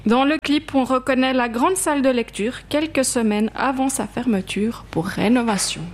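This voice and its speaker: Measured woman guest. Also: high voice, slight background noise. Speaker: librarian guest. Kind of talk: reading prepared anecdotes, then radio chat.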